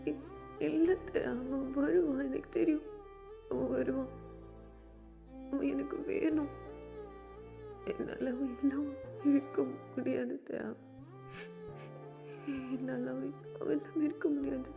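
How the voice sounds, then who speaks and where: Tearful, stammering lovesick young man, played by a woman narrator, slow and pleading. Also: sits high, steady tone, gravelly, highs cut off, music in the background, heavily acted. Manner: pleading, stammering, repeating himself. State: crying.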